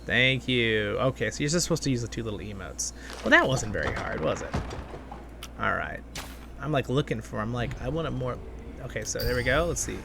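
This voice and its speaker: A man hosting a gaming video with casual, excitable commentary, talking half to himself and half to his viewers. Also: mid-range voice, fairly quick, vocal fry, over music. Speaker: gaming channel host. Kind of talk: casual gameplay commentary, with expressive story reading.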